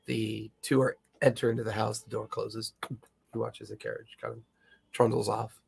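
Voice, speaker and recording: A man's voice: on the low side, level tone, normal speed, vocal fry, slightly rough. A man narrating an improvised tabletop game as game master.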